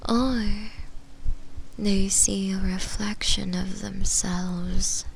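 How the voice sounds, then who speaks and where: A woman playing a lonely, possessive shadow demon in a slow, intimate ASMR roleplay, speaking in a breathy, unvoiced whisper with long pauses. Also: medium pitch, steady tone, a little hiss or hum. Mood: fearful, melancholy. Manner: slow, hushed, lingering delivery with long pauses.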